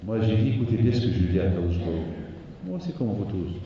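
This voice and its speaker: A man preaches a sermon, telling a fable in a lively storyteller's manner. His mid-pitched voice sounds far from the mic and rings through a large hall with long reverb. The sound is dull and muffled, with a faint background hiss. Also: brisk. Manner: lively storyteller who acts out the animals. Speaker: rabbi.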